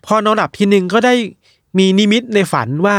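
Brief: young male host, quick storyteller, slightly high voice, dry close sound. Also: dry recording. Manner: animated retelling, acts out quoted voices. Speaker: podcast host telling news stories. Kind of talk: casual storytelling chat.

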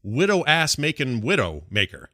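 A man hosting a casual gaming podcast, rambling along in an animated, colloquial way. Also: mid-range voice, moderate pace, dry recording, studio quality. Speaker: podcast host.

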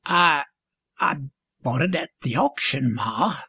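A woman's voice: a little high, sing-song, unhurried, creaky, slightly rough, dry recording, full character voice. A woman voicing a meek, flustered old farmer husband who stammers feebly. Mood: feeble.

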